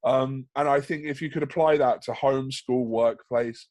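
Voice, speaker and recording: A man's voice: medium pitch, fairly even intonation, normal speed, darkish tone, no echo. A man speaking as a podcast guest in a casual, informal, thoughtful conversational style.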